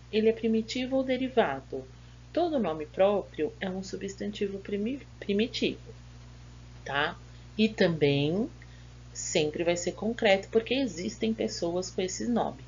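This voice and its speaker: A woman's voice: medium pitch, a little mellow. A Brazilian woman teacher giving a remote grammar lesson, patiently asking and answering her own questions. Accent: Brazilian Portuguese. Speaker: school teacher. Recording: dull lo-fi audio with faint hum.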